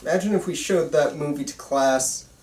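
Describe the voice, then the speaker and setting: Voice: medium pitch, normal speed, darkish tone, close to an everyday voice. Someone acting a bitter, intense teen boy, roomy sound. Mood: darkly excited. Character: bitter, intense teenage boy filmmaker plotting revenge. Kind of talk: amateur screenplay table read. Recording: roomy, distant mic.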